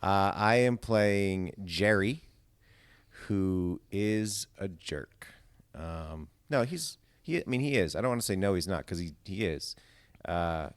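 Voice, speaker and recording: Low-voiced American man, dryly wry. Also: lively intonation, takes it slowly, no echo. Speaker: podcast guest, amateur actor. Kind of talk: casual chat.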